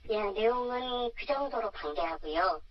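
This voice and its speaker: An electronically disguised, feminine-sounding voice of a radio interview guest speaking earnestly and formally in a measured way. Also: animated. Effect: electronic voice disguise, shifted high. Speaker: documentary maker, interview guest. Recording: muffled, distant phone-interview sound.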